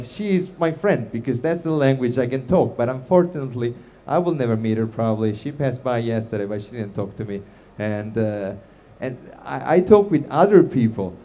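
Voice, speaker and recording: A man's voice: medium pitch, mellow. Chatty Italian man giving a talk. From Italy. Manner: chatty, self-deprecating, many fillers and restarts. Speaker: startup founder giving a talk. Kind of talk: casual conference talk.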